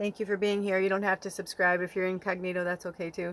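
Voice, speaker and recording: In a very clean recording with a silent background, a woman with an American accent talks at a very fast pace, her fairly low pitch held in a monotone, flat intonation. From Chicago area, US Midwest. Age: 50s. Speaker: artist and video blogger. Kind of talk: casual monologue vlog. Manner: casual with many fillers.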